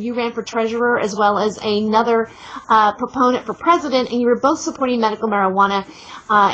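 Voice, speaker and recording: A woman's voice: fairly high pitch, fairly bright tone, low-quality recording. A woman hosting a casual radio talk show, interviewing guests and stumbling over words at times.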